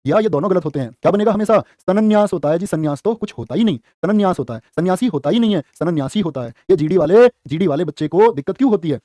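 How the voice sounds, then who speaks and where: A man teaching an online exam-prep lesson, energetic and playful, often calling his students "dear children". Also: high voice, quick pace, hardly any pauses, no room sound, clean studio sound.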